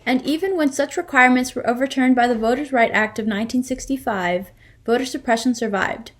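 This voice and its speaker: A woman's voice: high voice, brisk, close to an everyday voice. A woman performing scripted readers theater in an earnest, firm, explanatory manner as a fair-minded advocate. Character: fair-minded woman defending a voter's rights.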